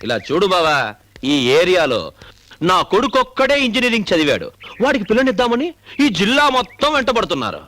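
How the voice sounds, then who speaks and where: Pushy boastful village elder. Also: male voice, high-pitched, wildly swooping pitch, fairly quick, sharp tone, heavily acted. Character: boastful rich village elder, groom's father. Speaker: film character. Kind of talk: film comedy dialogue.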